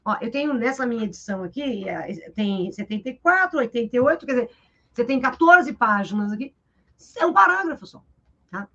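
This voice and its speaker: Talking fairly quickly, a woman who teaches literature walks through a book in a live interview, her fairly high voice carrying a Brazilian Portuguese accent. Animated and explanatory, she keeps tagging lines with "né?". The dull, lo-fi sound resembles a live-stream webcam.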